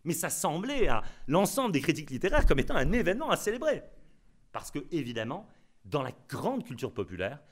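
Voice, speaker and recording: Guy giving a lecture, ironic and emphatic, pitch bouncing all over. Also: huge pitch swings, a little fast. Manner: ironic, emphatic, repeats key phrases. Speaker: conference speaker. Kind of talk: lecture at a conference.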